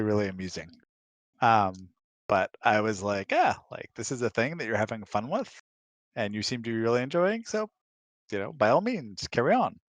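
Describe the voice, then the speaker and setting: A man with a slightly low voice answers questions in a casual chat. He is laid-back and dryly funny, pausing to think, with a close, dry sound. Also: fairly bright tone, dry recording. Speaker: husband of the host, guest.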